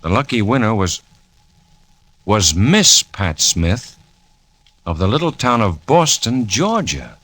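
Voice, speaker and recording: A calm radio-drama doctor. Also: male voice, lowish voice, slow pace, pauses often, slight background noise, heavily acted. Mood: reading. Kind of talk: 1940s radio acting.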